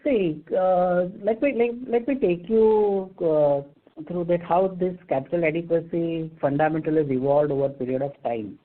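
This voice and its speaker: Man, Indian accent, company executive, methodical formal explanations, slightly high voice, tinny phone audio. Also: normal speed. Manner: formal, methodical, enumerating points. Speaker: company executive answering investor questions. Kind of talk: explanatory earnings call answers. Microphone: telephone conference call. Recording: tinny narrow phone line.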